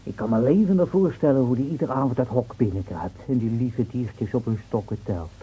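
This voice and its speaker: An actor playing a hot-tempered, sarcastic village gendarme who complains in a radio play. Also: male voice, medium pitch, fairly quick, slightly rough. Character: grumbling, hot-tempered village gendarme, sour about his transfer. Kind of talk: Dutch radio play acting. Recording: dull, muffled old radio recording.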